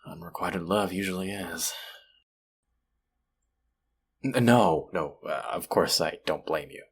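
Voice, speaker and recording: A man acting a friendly, sympathetic young man in an intimate, conversational audio roleplay, speaking gently and at times hesitantly. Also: lively intonation, moderate pace. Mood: gentle, sympathetic. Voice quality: low, gravelly, husky.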